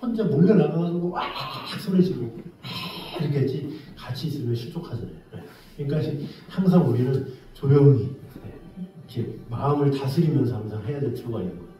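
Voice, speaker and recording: A man preaching a sermon, telling an everyday story with lively exclamations and then drawing a lesson from it. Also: medium pitch, brisk. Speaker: pastor. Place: church sanctuary. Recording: very echoey, distant from the mic.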